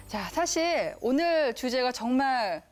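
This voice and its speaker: A woman announcer hosts a studio health program. Her voice sits fairly high, and her delivery is polished and attentive. Faint music plays softly behind her. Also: expressive, takes it slowly. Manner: polished, attentive, frequent brief acknowledgments. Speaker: announcer and show host. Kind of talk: broadcast health talk show hosting.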